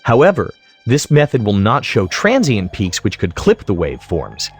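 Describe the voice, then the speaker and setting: A man giving an explanatory tutorial voice-over as an instructor, speaking in a measured, methodical way. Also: fairly low pitch, huge pitch swings, slightly rough, faint music behind. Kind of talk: explanatory screen-recording narration.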